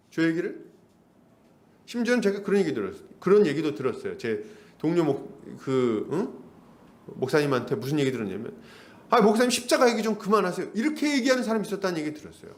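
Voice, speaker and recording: A pastor delivering an expository sermon, acting out quoted complaints in a raised voice. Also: male voice, a little high, very animated, fairly quick. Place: church sanctuary. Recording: echoey church hall.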